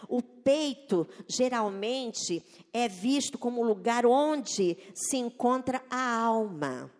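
A woman delivers a sermon in a fairly high voice. She speaks slowly and stresses her points earnestly, often putting rhetorical questions to her listeners. Her voice rings out with a long reverb, as in a large hall. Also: expressive, a little mellow. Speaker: preacher.

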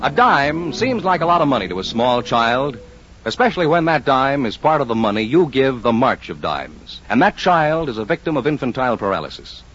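A man's voice: mid-range voice, big pitch swings, a little fast, a bit bright, soft background music. A man reading scripted announcements and ads on a 1950s radio show in a polished announcer delivery. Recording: lo-fi old radio broadcast.

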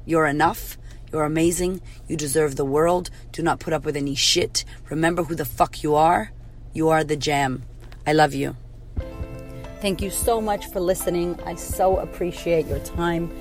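Husky-voiced woman giving a blunt pep talk. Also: fairly low pitch. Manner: blunt, swears freely, motivational. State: hoarse from karaoke. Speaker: podcast host, confidence coach. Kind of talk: casual pep-talk monologue.

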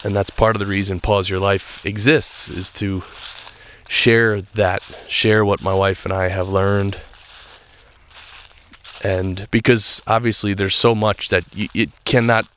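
A man's voice: fairly low pitch, flat delivery, measured pace, fairly bright tone, slight background noise. Stuffed-up man musing while walking. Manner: earnest, reflective, loose talk with restarts. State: stuffed up, a little nasal. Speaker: podcast host. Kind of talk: solo spiritual podcast monologue. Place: walking outdoors in a state park.

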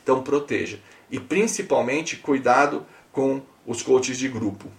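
Brazilian male podcast host, emphatic, direct address, gravelly, slightly off-mic. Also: mid-range voice, a little slow, distant mic. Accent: Brazilian Portuguese. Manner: emphatic, talks straight to the listener. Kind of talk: podcast monologue.

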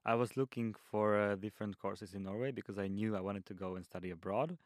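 A man's voice: lowish voice, fast talker, dry recording, clean studio sound. A nineteen-year-old man from Slovakia, a student guest on a podcast, talking earnestly with hesitant fillers. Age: teens. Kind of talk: casual podcast interview.

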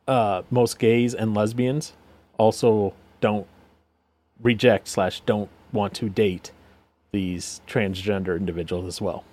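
A man's voice: fairly low pitch, fairly even intonation, takes it slowly, darkish tone. A man co-hosting a casual commentary chat, sarcastic, reading headlines and figures aloud with lots of fillers. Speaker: podcast co-host.

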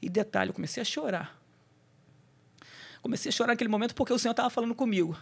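A man's voice: extremely high pitch, fast, gravelly, slightly rough. A man sharing a personal testimony on a church talk show, telling the story with energy and acting out the voices of people in it.

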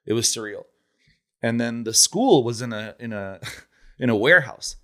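A man's voice: medium pitch, animated, moderate pace, fairly bright tone. A man in his fifties, born in Rome with Italian as his first language, telling stories as a restaurant-owner guest. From Italy. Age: 50s. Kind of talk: casual interview storytelling.

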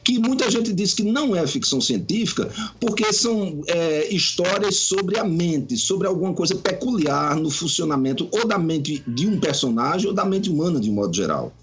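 A man, a guest writer, explaining at length in a measured, lecturing way during a podcast conversation. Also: high-pitched, very animated, breathy edge.

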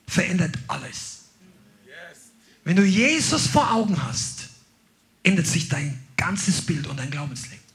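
A man preaching a sermon, energetic and exclaiming to his congregation. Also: on the high side. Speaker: pastor.

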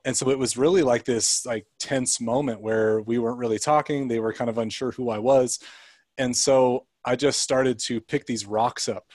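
A man's voice: mid-range voice, fairly even intonation, moderate pace, a little mellow, dry recording. Male coach, upbeat conversational storyteller, dry close-miked sound. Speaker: high-performance coach. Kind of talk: casual podcast chat.

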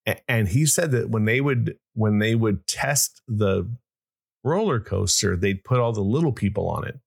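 Deep gravelly podcast host. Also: male voice, expressive, moderate pace. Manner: rambling, many restarts and fillers. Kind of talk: casual chat.

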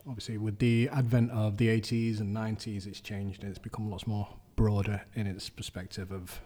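Husky low-voiced man in his forties. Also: little pitch movement, brisk, dark tone. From Sheffield, England. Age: 40s. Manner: plain, matter-of-fact explanations. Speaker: author and guest. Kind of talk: interview answers.

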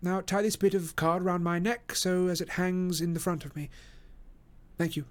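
A man voicing a brisk, commanding Victorian detective in an audiobook, crisp and directive as he gives instructions. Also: high-pitched, fairly even intonation, voice pushed up, natural voice. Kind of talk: audiobook character voice.

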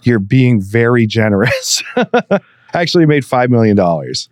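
A young man co-hosting a casual podcast, chuckling often as he rambles through his thoughts with plenty of ums and uhs. His voice sits at a middle pitch, heard close and dry with no room sound. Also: sing-song, measured pace, no room sound. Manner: laughs often, rambling with fillers. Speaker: podcast co-host. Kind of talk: casual chat.

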